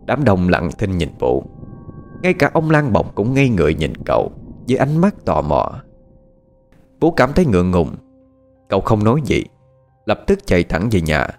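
A man narrating a dramatic story in an expressive, measured voice. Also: low-pitched. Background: faint background music.

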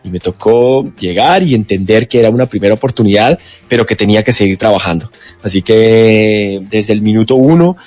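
A man from Colombia, an actor in his forties, chatting in a relaxed way on a radio interview, with many restarts. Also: on the low side, brisk. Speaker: guest actor. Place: radio studio.

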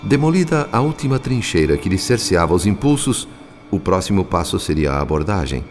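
A man's voice: sits low, big pitch swings, brisk. A man with a Brazilian accent giving solemn, formal scripted narration for a radio drama. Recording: faint music behind the voice.

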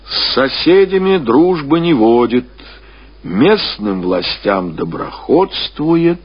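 A man reading classic fiction as a narrator, in measured, expressive storytelling with deliberate pauses. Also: medium pitch, slightly rough. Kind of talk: scripted literary narration. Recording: dull, lo-fi radio-style recording.

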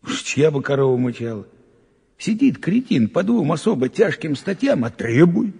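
An actor playing a blunt, disapproving prison officer with a rough, husky voice, grumbling colloquially in an audio drama. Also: male voice, a little high, sing-song, normal speed, warm tone, long reverb tail, heavily acted. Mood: grumbling, indignant. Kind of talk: Russian audio drama acting.

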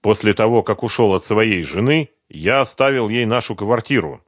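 Quiet, sad divorced man, read by a man, lively intonation, dry close sound. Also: lowish voice, normal speed, dry recording, pitched above the performer's own voice. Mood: hesitant. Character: divorced middle-aged man, shy and sincere.

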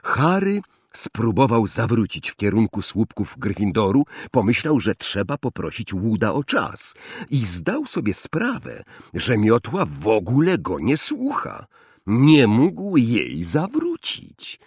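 A man narrating an audiobook with expressive, dramatic storytelling. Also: lowish voice, slow, slightly rough, no echo, clean studio sound. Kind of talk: audiobook reading.

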